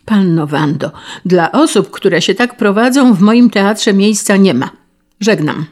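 A narrator putting on an indignant old theater director. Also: male voice, high voice, expressive, a little slow. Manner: stern, loud outbursts.

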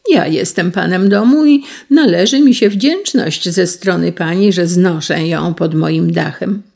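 A reader voicing a rude, arrogant young man speaking curtly to his mother, with a husky voice. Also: mid-range voice, a little slow, darkish tone. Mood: scornful. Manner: curt, rude.

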